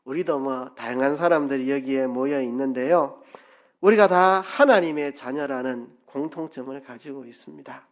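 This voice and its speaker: A middle-aged man, a pastor giving an expressive sermon with dialect asides in a church sanctuary. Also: mid-range voice, normal speed.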